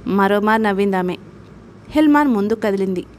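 A woman narrating a novel as an audiobook, reading in a steady, even way. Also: medium pitch, fairly quick, slight background noise.

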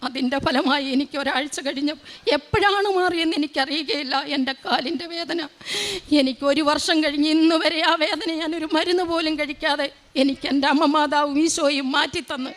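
Middle-aged woman from Kerala, high voice, earnest church testimony, repeats herself as she tells it. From Kerala, India. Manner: earnest, repetitive storytelling. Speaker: devotee giving testimony.

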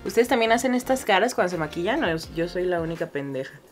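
A woman's voice: lowish voice, expressive, quick pace, soft background music. A young woman with a Mexican accent chatting casually through a makeup tutorial, self-mocking and swearing freely. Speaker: beauty vlogger.

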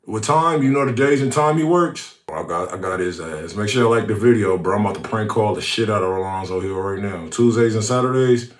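A man in his thirties with a fairly low voice hosts a prank call show. He talks in loose slang, often stumbling and repeating phrases. He is close to a phone mic in a small room. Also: reverberant. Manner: halting, repetitive, street-slang talk. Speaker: prank caller, show host.

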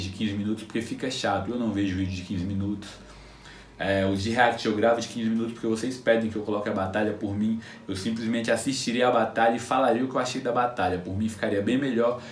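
A man giving freestyle rap tips in casual, unscripted talk, animated and slangy, recorded off-mic in a roomy space. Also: medium pitch, distant mic. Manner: animated, slangy, teaching with quoted rhyme examples. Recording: roomy echo, off-mic with faint noise.

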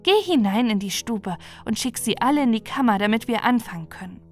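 A woman's voice: on the high side, expressive, fairly quick, faint music behind. A woman voicing a tender, kindly winged Christ Child in a storybook. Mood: reassuring. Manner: tender, reassuring.

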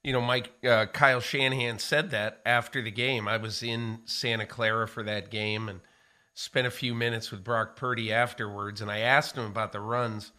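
A man in his sixties, a football analyst co-hosting a casual studio discussion, talking in an animated way, on a studio mic. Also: on the low side, moderate pace. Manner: animated, gestures with hands while talking. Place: small studio with framed pictures. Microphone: studio mic on boom arm.

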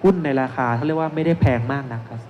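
Higher-voiced man presenting at an investment seminar. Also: rapid-fire, dull audio. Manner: explanatory, punctuates points with polite particles. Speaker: securities analyst, panel speaker. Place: stage at a shopping mall expo, indoors. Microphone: handheld microphone. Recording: noisy live event sound.

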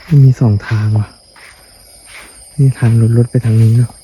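A young man vlogging outdoors in a forest, talking casually to his viewers, sometimes calling out loudly and sometimes speaking in a hushed, gentle way. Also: medium pitch, steady tone, normal speed, a little hiss or hum. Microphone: handheld camera mic.

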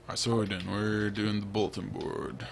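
A man's voice: on the low side, flat delivery, fairly quick, gravelly, a little hiss or hum. A young man giving casual, rambling, self-mocking commentary as he plays a farming video game. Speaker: let's play host.

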